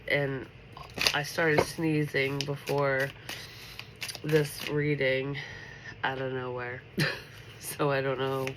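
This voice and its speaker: A woman with a stuffy, congested nose gives a casual, chatty late-night tarot reading in an upbeat tone. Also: rumbling low. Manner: chatty and upbeat, full of filler words. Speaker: tarot reader. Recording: steady background noise.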